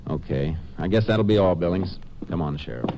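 An actor playing a calm, terse Texas Ranger asking methodical questions in a 1950s western radio drama. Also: male voice, low voice, brisk, creaky, muffled recording. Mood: businesslike. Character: steady, probing Texas Ranger investigator, adult man. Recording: noisy old-time radio recording.

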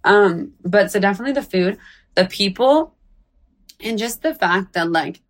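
A woman's voice: medium pitch, lively intonation, moderate pace. A woman in a casual chat, talking in a rambling way with many fillers. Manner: chatty and warm, rambling with fillers.

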